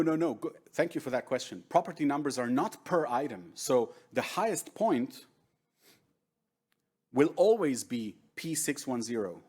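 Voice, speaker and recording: A man's voice: medium pitch, a little mellow, husky. Man giving a chatty conference talk. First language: Hebrew. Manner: conversational, keeps checking in with "right?". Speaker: workshop presenter. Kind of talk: conference lecture with audience questions. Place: large conference room with seated audience.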